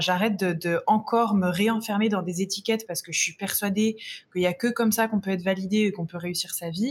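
Here a woman speaks at a fairly quick pace. Her voice is somewhat breathy, and her intonation stays fairly even. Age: 30s. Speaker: life coach and entrepreneur. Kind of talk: interview conversation.

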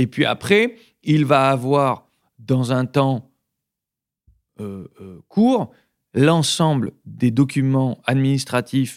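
Medium in pitch, a man speaks at a very slow pace. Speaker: startup co-founder and CEO. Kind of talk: interview.

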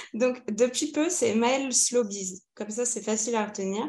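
A plain, everyday voice keeps a moderate pace and shows ordinary pitch variation. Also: woman. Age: 20s. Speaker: business mentor. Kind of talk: casual chat.

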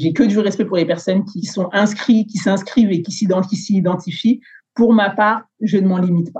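A woman's somewhat breathy, dark, mellow voice at a moderate pace, with fairly even intonation. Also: medium pitch for a woman. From France. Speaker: ethno-coach. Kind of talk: interview. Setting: podcast.

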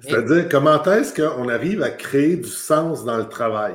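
With a Quebec accent, a man speaks at a moderate pace in a fairly high pitch with lively intonation amid audible room echo. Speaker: team coach. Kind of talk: interview. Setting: live stream.

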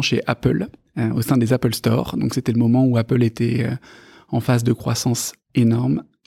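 A man with an unremarkable speaking voice talks at a moderate pace, the sound dry and close with no echo. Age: 30s. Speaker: head of sales. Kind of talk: interview.

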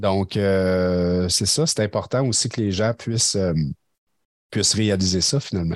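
Against a quiet background, a man with a Quebec accent and a fairly low pitch talks at a very slow pace with ordinary pitch variation and long, frequent pauses. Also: very even loudness. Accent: Québécois French. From Quebec City, Quebec. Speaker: motivational speaker on mental health. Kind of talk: interview. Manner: animated.

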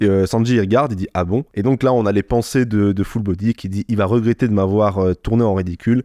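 Against a quiet background, a dark, mellow voice runs at a fairly quick pace with hardly any pauses and fairly even intonation. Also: man, fairly low pitch for a man, dry, close sound with no echo. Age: 20s. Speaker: podcast host discussing manga chapters. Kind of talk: casual chat.

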